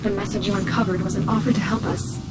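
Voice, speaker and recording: An actress playing a grave, guarded mission guide in a science-fiction game, measured and serious, with an urgent edge. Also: female voice, medium pitch, level tone, close to an everyday voice. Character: grave, guarded female guide to young warriors. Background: loud music.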